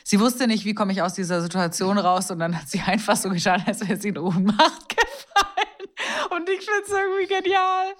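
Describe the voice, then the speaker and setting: A woman co-hosting a podcast in casual chat, relaxed and often laughing. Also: medium pitch, normal speed. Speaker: podcast co-host.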